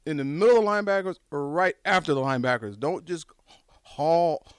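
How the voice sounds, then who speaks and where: A man's voice: a little high, a little fast, clear, resonant tone, no room sound. Middle-aged man reminiscing, dry close sound. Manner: animated storytelling, repeats phrases, says "dude" often. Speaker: former college football quarterback, show guest. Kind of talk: casual sports chat, reminiscing.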